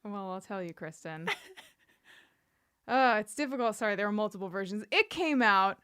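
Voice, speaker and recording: A woman co-hosts a podcast in an easy, chatty way. Her voice sits at an average pitch, and she slips in dry, playful deadpan jokes. The recording is close and free of room sound. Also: moderate pace, clear, resonant tone, no room sound. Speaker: podcast co-host. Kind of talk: casual banter about a TV show.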